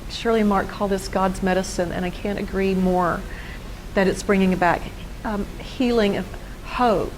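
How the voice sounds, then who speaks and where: A woman's voice: medium pitch, a little mellow, slight background noise, low-quality recording. A woman in her fifties from Texas, a guest telling her own story earnestly in a studio interview. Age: 50s. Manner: earnest storytelling, acts out quoted dialogue. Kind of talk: personal testimony in a studio interview.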